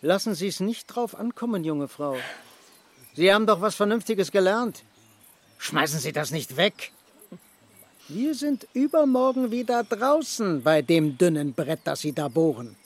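A man's voice: high voice, sing-song, a little slow, heavily acted. A man playing a haughty, menacing upper-class hunter in a radio drama, speaking with condescension. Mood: indignant, threatening. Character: arrogant upper-class hunter, menacing, obsessive murder suspect. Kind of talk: German radio drama acting.

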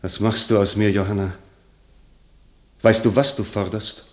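An actor playing a proud, softening medieval duke, declaiming classical radio drama verse with grave emotion. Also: male voice, lowish voice, steady tone, a little slow, roomy sound, lightly acted. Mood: troubled.

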